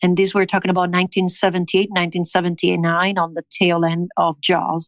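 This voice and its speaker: A woman speaks at a fairly quick pace with a fairly low pitch, flat monotone intonation and very even loudness. The sound is dry and close, with no echo. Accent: Italian. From northern Italy. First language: Italian. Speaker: shark diving instructor. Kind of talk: interview.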